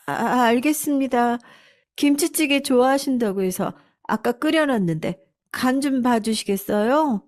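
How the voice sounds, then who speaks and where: A woman's voice: fairly high pitch, lively intonation, moderate pace, a little mellow, no echo, clean studio sound, pitched above the performer's own voice, natural voice. A woman voicing a polite, apologetic middle-aged housekeeper. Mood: timid.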